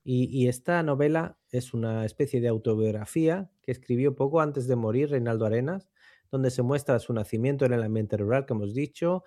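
A man talking through a book and its author in a relaxed radio chat, with thoughtful pauses and tag questions. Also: medium pitch, dry recording, clean studio sound. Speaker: book commentator on a radio show. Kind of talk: conversational book commentary.

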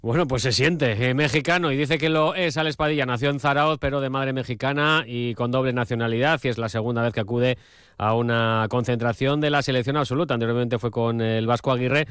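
A man's voice: medium pitch, steady tone, fairly bright tone, smooth, dry recording, studio quality. A man working as a sports radio reporter, presenting a news item in a fluent broadcast style. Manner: fluent broadcast delivery, with filler pauses.

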